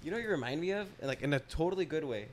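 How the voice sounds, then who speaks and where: Fast-talking, animated man guest. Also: a little high, crowd noise. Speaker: podcast guest. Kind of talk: casual chat.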